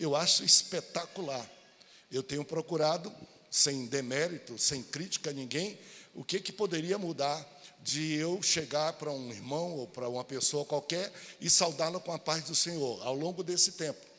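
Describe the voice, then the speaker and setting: A man speaks in a normal speaking voice at a fairly high pitch. His pace is moderate and his pitch varies in an ordinary way. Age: 60s. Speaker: pastor. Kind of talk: sermon. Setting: church. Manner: informal, conversational.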